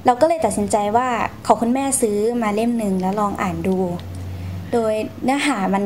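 A woman's voice: fairly high pitch, brisk, darkish tone, a little hiss or hum. A young woman, answering interview questions in a polite, explanatory manner as she recounts her experiences. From Thailand. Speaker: guest storyteller.

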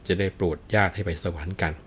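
A man's voice: sits low, steady tone, fast, a bit bright, slightly rough. A man voicing a doting old grandmother in a told tale. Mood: eager.

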